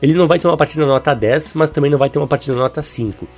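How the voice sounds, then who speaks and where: A man's voice: on the high side, racing, darkish tone. A Brazilian man comparing football players in an opinionated, conversational way, with a stuffy nose and a swollen, inflamed throat from the flu. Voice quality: congested, stuffy-nosed, husky. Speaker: football video host. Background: music under the voice.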